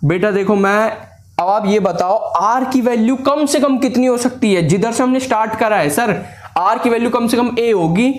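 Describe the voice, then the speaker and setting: A man's voice: extremely high pitch, moderate pace. A man teaching physics at a board, walking students step by step through a derivation and mixing English formula terms into his speech. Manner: talks students step by step through a derivation, calling them sir and beta. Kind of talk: blackboard lesson. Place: classroom at a board.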